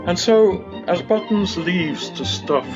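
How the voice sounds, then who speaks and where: A man's voice: high-pitched, takes it slowly. A man narrating a comic pantomime as a storybook tale, in a dull home recording. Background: loud background music.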